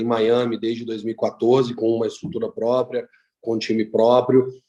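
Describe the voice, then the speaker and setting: Speaking at a fairly quick pace, a man with a Minas Gerais accent has a medium pitch and a dark, mellow tone. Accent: Minas Gerais (mineiro). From Minas Gerais, Brazil. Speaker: lawyer. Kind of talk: webinar presentation.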